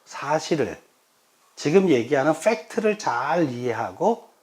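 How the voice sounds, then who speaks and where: Man, middle-aged, pastor teaching a workshop, lively swooping intonation, slightly higher voice, acts out little dialogues. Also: measured pace. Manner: animated, acts out quoted voices of children and elders. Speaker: pastor giving a coaching workshop. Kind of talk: lively lecture with acted example dialogues.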